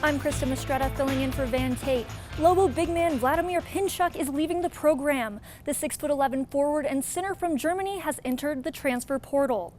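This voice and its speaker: A woman's voice: high voice, a little mellow. A woman with an American accent reading a scripted sports newscast as the anchor.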